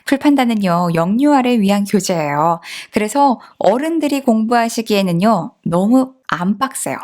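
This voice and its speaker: A woman's voice: mid-range voice, animated, unhurried, darkish tone. A woman teaching an online Chinese lesson, explaining patiently and often asking the listener questions.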